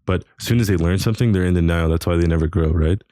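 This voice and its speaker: A young man talking in a casual podcast chat, rambling and halting, full of slang and restarts. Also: sits low, dark tone, no echo, studio quality. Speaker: podcast host.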